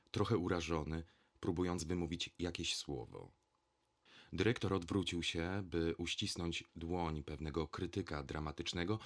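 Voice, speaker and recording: Deep-voiced male audiobook narrator. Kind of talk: scripted narration.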